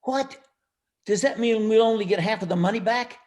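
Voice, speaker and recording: A man's voice: sits high, normal speed, a little mellow, natural voice. An actor playing a cranky, forgetful old male jeweler, stammering and querulous in campy noir radio style. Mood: blustering, indignant.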